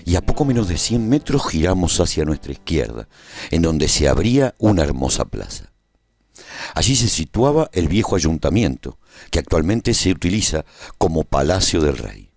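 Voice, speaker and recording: A man playing a post-apocalyptic traveller who narrates a scripted radio drama in a measured, solemn way. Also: a bass voice, sing-song, a little mellow, no room sound, soft background music, exaggerated voice. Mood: grave storytelling. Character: male post-apocalyptic traveller recounting a war story gravely.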